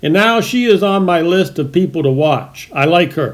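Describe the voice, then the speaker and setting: With lively intonation and a plain, everyday voice, a man talks at a moderate pace. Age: 60s. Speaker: online video commentator. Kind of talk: casual monologue.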